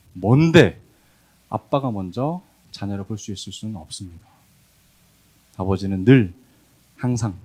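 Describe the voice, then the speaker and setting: Animated male preacher. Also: fairly low pitch. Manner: animated preaching, acts out quoted voices. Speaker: pastor. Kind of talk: sermon.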